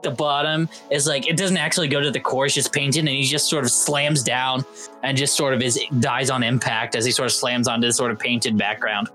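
A man's voice: medium pitch, steady tone, a little fast, bright, forceful tone, faint music behind. A man narrating a tabletop game as its game master, with loose, laughing, hedging narration.

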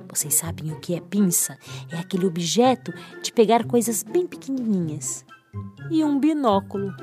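A Brazilian woman telling stories and riddles to children, playful and expressive, speaking straight to her listeners with questions and dramatic pauses. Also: sits high. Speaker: children's storyteller and host. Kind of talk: storytelling to children, with riddles and tales. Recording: loud background music. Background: music.

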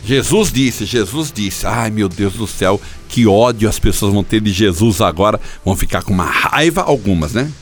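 Man preaching, gravelly voice, lively swooping pitch, theatrical and chiding, faint music behind. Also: normal speed, few pauses. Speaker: pastor. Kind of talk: sermon.

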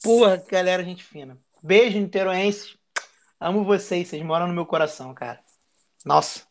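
A man's voice: sits high, moderate pace. A man, a podcast guest talking in a crude, slangy, boisterous way. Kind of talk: casual chat.

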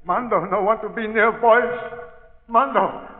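An actor playing a timid, cowering servant in old radio drama style, pleading in halting, broken English. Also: male voice, high-pitched. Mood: terrified. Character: timid, frightened male servant, cowering and subservient. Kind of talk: 1940s radio drama acting. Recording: dull old radio recording, noisy.

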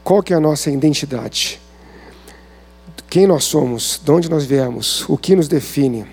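A man's voice: on the high side, measured pace, darkish tone, slightly rough. A man with a Brazilian Portuguese accent giving an informal sermon at a men's service, talking conversationally and asking many rhetorical questions.

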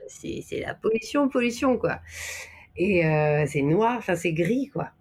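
A woman with a French accent speaks in a slightly low-pitched voice. She reflects conversationally as an interview guest, hesitating as she searches for phrasing, then emphasising the words that matter to her. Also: expressive, measured pace, darkish tone, husky. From Normandy, France. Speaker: podcast guest.

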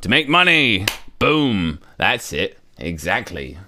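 A man doing a forceful Cockney paparazzo. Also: low voice, sing-song, measured pace, a little hiss or hum, full character voice.

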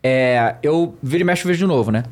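A man hosts a podcast and explains things at length in a casual chat. He talks at an ordinary mid pitch and often restarts his sentences. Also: a little fast.

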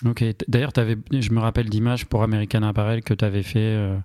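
A man co-hosting an interview, asking questions in a relaxed, casual way. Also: fairly low pitch, fast. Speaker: podcast co-host, interviewer.

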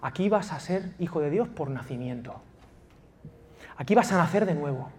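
A man from Spain preaching a passionate sermon as pastor of a church, swinging from loud emphasis to quiet intimacy. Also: fairly high pitch, animated, moderate pace. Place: church in Valencia.

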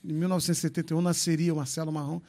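A man's voice: a little high, flat delivery, very fast, darkish tone. A man in his fifties from Brazil, talking loosely and frankly on a podcast, joking and swearing as he tells his story. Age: 50s. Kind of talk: casual podcast chat.

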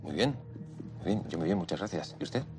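A metallic, voice-modified robber chief. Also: male voice, expressive, over music. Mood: polite. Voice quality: unnaturally deep, metallic. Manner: polite, measured, formally courteous. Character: calm courteous male heist mastermind. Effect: voice modifier, deep metallic distortion. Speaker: robber leader negotiating by phone.

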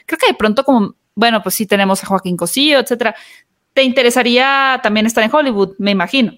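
A woman's voice: fairly high pitch, fast, a bit bright. Chatty northern Mexican woman host. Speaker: podcast host, celebrity interviewer. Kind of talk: casual podcast interview.

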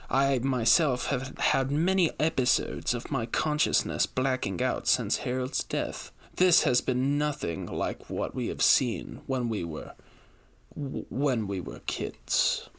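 Man doing a nervous young man, halting, faltering speech. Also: medium pitch, animated, fairly bright tone. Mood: shaken.

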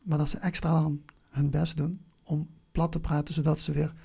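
The speaker has a soft, mellow timbre with a marked crackle and a southern Dutch accent. They answer interview questions reflectively, often pausing and repeating words as they search for the right phrasing. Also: medium pitch, flat delivery, gravelly, breathy edge. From Venlo, Limburg, Netherlands. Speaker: interview guest.

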